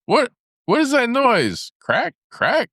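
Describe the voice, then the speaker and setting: A man's voice: very high-pitched, wildly swooping pitch, takes it slowly, fairly bright tone, husky, no echo, clean studio sound, voice pushed up, heavily acted. A man voicing a gullible, wicked badger in a storybook tale, with an anxious, puzzled way of questioning. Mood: puzzled alarm. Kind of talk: storybook character voice.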